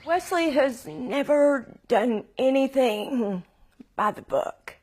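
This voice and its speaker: Slow, husky, high-voiced woman. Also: animated, a little mellow. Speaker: interviewee. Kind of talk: documentary interview.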